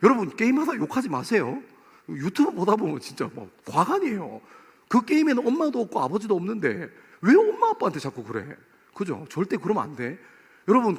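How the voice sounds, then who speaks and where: A pastor in his forties preaching to a young adults service in a church, playful and lively, acting out little scenes. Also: high voice, breathy edge. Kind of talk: sermon. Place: church sanctuary. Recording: long hall reverb.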